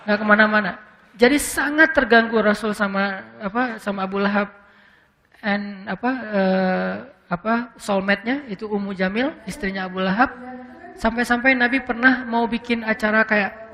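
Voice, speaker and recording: A man preaching in a casual, conversational lecture, with frequent fillers and English words mixed in. He slows into a solemn voice when acting out quoted speech. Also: high voice, a bit bright, big-room sound. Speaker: Islamic preacher.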